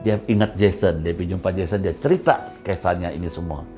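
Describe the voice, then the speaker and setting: A man's voice: sits low, fairly quick. A male pastor, preaching a storytelling sermon and acting out the voices of the people in his story. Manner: vivid storyteller who acts out the voices of his characters. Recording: muffled recording with soft music behind.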